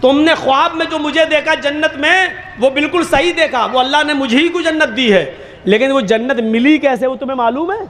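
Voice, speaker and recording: A sly holy man who never admits defeat , as a male preacher plays him, lectures his follower insistently. The voice is pitched very high and pushed up a little further. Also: fairly quick, fairly bright tone, a little hiss or hum.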